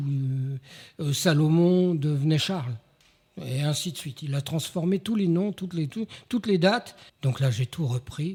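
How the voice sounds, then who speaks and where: A man with a fairly high pitch and ordinary pitch variation speaks at a fairly slow pace in a somewhat breathy voice with a dark, mellow tone, on a very clean recording with a silent background. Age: 80s+. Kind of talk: interview. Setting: outdoors at a riverside open-air café.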